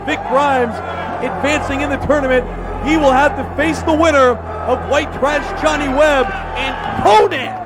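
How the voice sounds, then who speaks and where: Shouting high-pitched male wrestling commentator, crowd roaring. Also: normal speed, over loud music. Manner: exclamatory, often shouting. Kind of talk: excited live wrestling commentary. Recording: noisy arena, loud crowd. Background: loud wrestling crowd.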